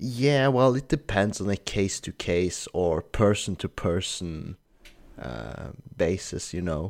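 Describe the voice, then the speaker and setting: With a Norwegian accent and a very deep, low pitch, a man speaks at a very slow pace with very wide pitch swings in a dry, close sound with no echo. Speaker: podcast co-host. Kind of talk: casual chat. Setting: bar.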